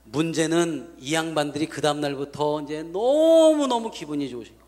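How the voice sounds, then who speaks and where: A male pastor tells a story from the pulpit, bringing it to life by acting out each person's lines. His voice sits high and swings widely in pitch. Long reverb from the church rings around him. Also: a little fast. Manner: animated, acts out dialogue in different voices. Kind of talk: storytelling sermon.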